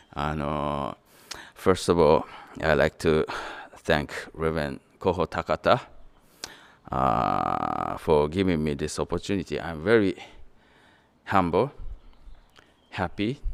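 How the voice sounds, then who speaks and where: Over a very clean recording with a silent background, a man with a very deep, low voice and a Japanese accent speaks very slowly with vocal fry, ordinary pitch variation and long, frequent pauses. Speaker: Buddhist minister. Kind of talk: dharma talk. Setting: temple with in-person audience. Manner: halting, with fillers.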